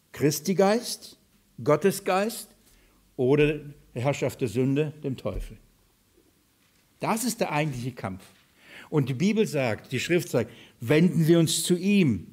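A man preaching a sermon, asking rhetorical questions and swinging between loud calls and soft asides. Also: fairly high pitch. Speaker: pastor.

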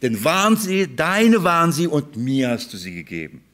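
A man's voice: a little high, wildly swooping pitch, moderate pace, a bit bright. A man preaching a sermon, pressing his points with rhetorical questions to the congregation.

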